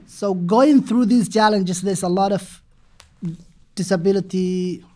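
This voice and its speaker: A young man from Somalia giving a panel talk in second-language English. He speaks very slowly with pauses and restarts. His voice sits fairly high but sounds soft and dark. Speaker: panel presenter. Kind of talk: panel presentation.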